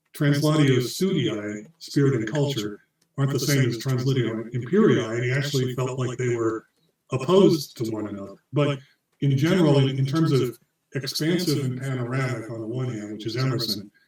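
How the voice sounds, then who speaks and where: Speaking with an American accent, a man has a medium pitch with ordinary variation. His voice is somewhat breathy and his pace moderate. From United States. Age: 60s. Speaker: professor. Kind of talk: lecture Q&A. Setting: video call. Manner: halting. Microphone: poor audio quality.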